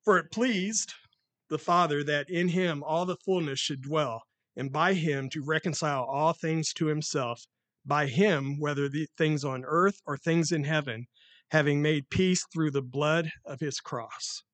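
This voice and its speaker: A man preaching to a small congregation on a microphone, loud and excited, reading scripture with rising force. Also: a little high, a little slow, no room sound. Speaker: lay preacher. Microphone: handheld or stand mic.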